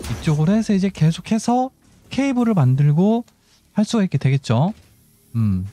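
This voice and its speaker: A man's voice: fairly high pitch, mellow, slight background noise. A man giving casual game tutorial commentary, explaining step by step and thinking aloud as he goes. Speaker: gaming channel host.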